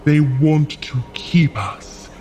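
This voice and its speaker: An actor playing a solemn frost giant advisor in an audio drama, speaking with grave deliberation. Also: male voice, on the high side, extremely slow, warm tone. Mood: grave, earnest. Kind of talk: dramatic audio fiction acting. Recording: faint music behind.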